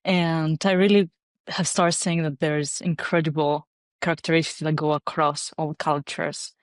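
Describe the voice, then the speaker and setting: A woman's voice: sits low, level tone, measured pace, dry recording. A woman from Greece, a guest in an interview, speaking in a reflective, thoughtful way. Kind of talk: conversational interview.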